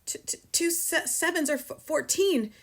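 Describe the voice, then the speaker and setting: A woman voicing a small, frightened schoolboy who cries out high and stammers in panic. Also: normal speed. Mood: panicked.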